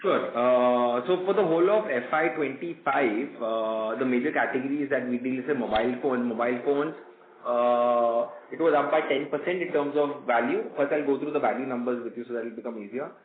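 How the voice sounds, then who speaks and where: Indian exec guy explaining stuff quick on a conference call, kinda muffled and roomy. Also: mid-range voice, slight background noise. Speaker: company executive. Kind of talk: earnings call answers.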